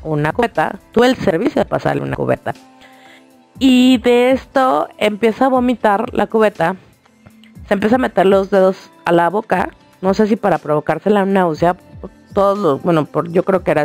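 A woman with a Mexican accent and a medium-pitched, creaky voice hosts a radio show. Chatting casually and colloquially, she tells a long personal story directly to her listeners.

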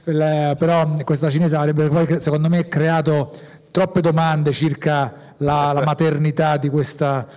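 A man's voice: a little high, level tone, unhurried, a little mellow. A man, a director, talking on a festival panel in a rambling way, restarting his sentences often. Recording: reverberant hall.

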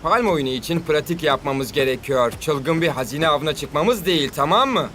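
A man's voice: fairly high pitch, animated, moderate pace, bright, forceful tone, a little hiss or hum. A man voicing a worried, sensible young footballer in a cartoon dub. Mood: skeptical. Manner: skeptical, fretful. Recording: studio dub with music behind.

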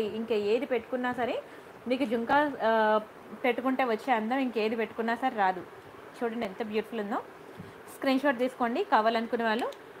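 A woman with a high, bright-toned voice hosts a live jewellery sale. She chats warmly with viewers, greets them by name and keeps asking "okay?" as she goes. A faint background hiss sits under her voice. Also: low-quality recording. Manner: warm and chatty, greets viewers by name, repeats "okay?" to check in; mixes English words and phrases into her Telugu. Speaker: jewellery seller on a live stream. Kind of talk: chatty live sales stream.

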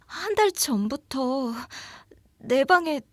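An actress playing an anxious young woman confiding in a friend, in horror audio drama dialogue with a hesitant, halting delivery. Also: sits high, expressive, fairly bright tone, no room sound, full character voice. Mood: hesitant, fearful. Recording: background music under the voice.

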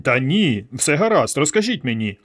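A man's voice: mid-range voice, sing-song, normal speed, fairly bright tone. A man voicing a flustered, nervous man who protests against intruders. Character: anxious flustered young man.

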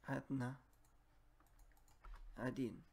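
A man whose first language is English practises speaking, slowly and haltingly, repeating words at his computer. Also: medium pitch, fairly even intonation, gravelly, crowd noise. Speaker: language learner.

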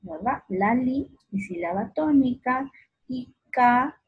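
A woman teaching a remote lesson to young children, slowly stretching out words syllable by syllable and speaking affectionately to the child. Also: fairly high pitch, lively intonation, breathy edge, highs cut off. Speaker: primary school teacher.

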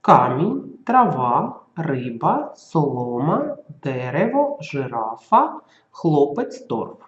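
A teacher giving a school grammar lesson, dictating slowly and carefully and sounding out letters and example words. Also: medium pitch, sing-song, roomy sound, highs cut off.

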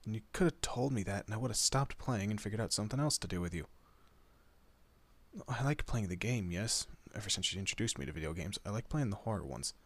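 Man acting a husky, teasing monster detective. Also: fairly low pitch, lively intonation, fast talker. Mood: teasing, bickering. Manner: casual, teasing, muttered asides. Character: teasing, protective male monster detective, partner to a human. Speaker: voice actor in an audio roleplay. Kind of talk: horror roleplay audio drama, addressing the listener.

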